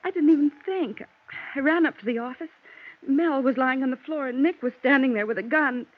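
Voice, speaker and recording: A woman's voice: high voice, fairly quick, natural voice. A woman playing a frightened young mother. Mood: shaken. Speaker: witness. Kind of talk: 1950s radio drama acting. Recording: dull old radio broadcast.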